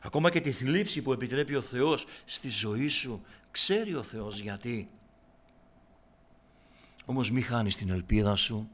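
A man preaching a sermon, moving from soft, hushed prayer to loud, impassioned exhortation. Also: mid-range voice, long pauses.

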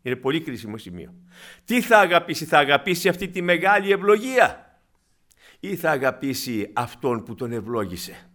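A man preaching a sermon to his congregation, animated, swinging between loud exclamations and hushed asides, calling them dear brothers. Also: fairly high pitch. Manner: acts out quoted scripture and people in his own voice.

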